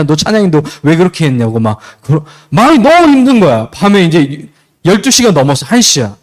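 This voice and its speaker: Man, youth pastor, high voice, very animated pitch, quizzing teens, sermon. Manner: asks the students questions and acts out short scenes.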